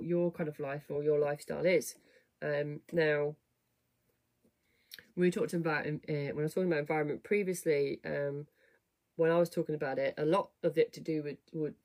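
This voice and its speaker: A woman hosting a fitness studio livestream, chatting casually to viewers in a slightly croaky, rough voice, rambling with lots of fillers. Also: deep voice, warm tone. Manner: chatty, rambling, self-deprecating, many fillers. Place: home, at a desk. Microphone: webcam or computer mic at a desk.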